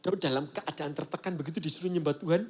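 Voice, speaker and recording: A man's voice: on the high side, fast talker, breathy edge. A male pastor giving a casual, conversational sermon and acting out the voices he quotes. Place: church service broadcast.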